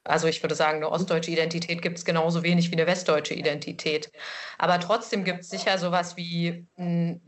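A woman from Thuringia, an author and game designer, answering in a measured, thoughtful way and searching for words over a video call. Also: lowish voice, little pitch movement. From Germany, Thuringia. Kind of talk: thoughtful conversational interview.

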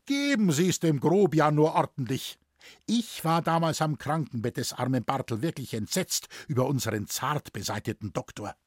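A man's voice: a little high, lively intonation, normal speed, no room sound, clean studio sound. A man voicing an old village priest who talks in a cheering, indignant way.

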